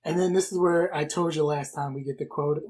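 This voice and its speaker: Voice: medium pitch, steady tone, brisk, darkish tone, husky. A podcast co-host recapping a movie in a rambling, chatty way with lots of fillers. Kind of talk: casual film discussion.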